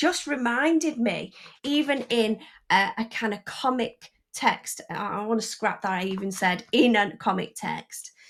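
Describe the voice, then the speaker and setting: Lively intonation marks this woman's fairly high voice, heard with an English accent. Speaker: podcast co-host, educator. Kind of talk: casual chat. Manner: animated.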